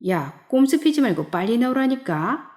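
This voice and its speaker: A woman's voice: mid-range voice, lively intonation, measured pace, dark tone, natural voice. Woman reading as a bossy, needling male friend. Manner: commanding, needling. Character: pushy bossy middle-aged male friend.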